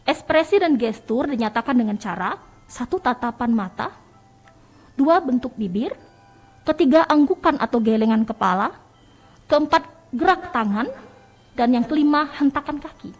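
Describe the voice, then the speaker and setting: High-voiced woman teacher on the radio. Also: animated, moderate pace, pauses often. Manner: explains step by step, calls listeners "nak" and "sayang". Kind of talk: radio lesson.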